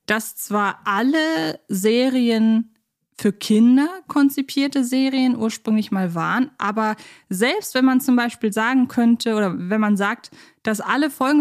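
A woman podcast co-host in casual fan discussion, chatty and rambling, correcting herself as she thinks aloud. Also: a little high. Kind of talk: casual fan discussion of audio drama series.

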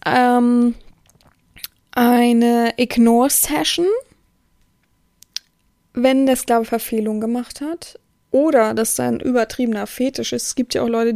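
Strict, outspoken woman host with a fairly high voice, rambling chat, dry sound. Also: fairly even intonation, unhurried, gravelly, mellow, no echo. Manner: rambling, restarts sentences, exclaims "oh". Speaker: podcast host. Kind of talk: casual podcast monologue.

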